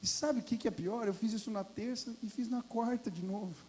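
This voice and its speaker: A Brazilian man preaching a sermon in a church, telling personal stories with sudden loud bursts. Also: sits high, a little fast, big-room sound, a little hiss or hum. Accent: Brazilian Portuguese. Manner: animated, confessional, storytelling with sudden loud peaks. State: hoarse from throat infection. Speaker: pastor. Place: church sanctuary.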